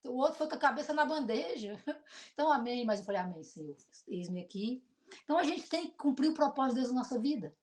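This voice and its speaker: A middle-aged woman pastor with a Brazilian accent and a deep voice, preaching an emotional sermon built on personal testimony. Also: fast talker. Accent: Brazilian Portuguese. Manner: emotional, animated storytelling with shifts between loud and soft.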